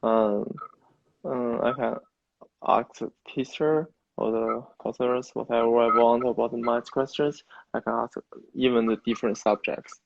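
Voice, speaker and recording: A young man from China with a Mandarin Chinese accent, a native Mandarin speaker answering interview questions as a university student in halting, non-native phrasing. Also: mid-range voice, fairly even intonation, gravelly, no echo, dull audio. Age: young adult.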